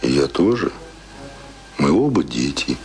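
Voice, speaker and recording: An actor playing an idealistic, stubborn young ex-sailor turned writer in a Russian radio play, speaking in an impassioned manner. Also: male voice, very deep voice, sing-song, unhurried, a little mellow, heavily acted. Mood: tender, lovestruck. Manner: impassioned, swings from tender to vehement. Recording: music behind, studio radio play.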